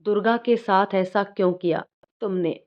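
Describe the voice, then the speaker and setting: A woman voicing an angry grown man who shouts harsh commands, read as a storybook role. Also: medium pitch, normal speed, lightly acted. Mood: furious. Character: angry grown man, husband turned furious. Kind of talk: storybook reading. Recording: dull lo-fi recording.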